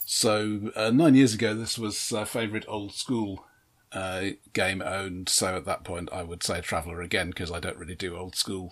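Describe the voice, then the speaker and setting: A man talks at a moderate pace in an unremarkable speaking voice, pitched fairly low and varying in an ordinary way. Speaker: podcast host. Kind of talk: casual chat.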